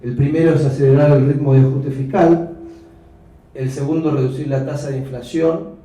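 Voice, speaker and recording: A man with an Argentine Spanish accent giving an economics talk with slides, measured and explanatory, correcting himself as he goes. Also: on the high side, steady tone, warm tone. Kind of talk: lecture with slides. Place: hotel function room. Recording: echoey room, mic far off.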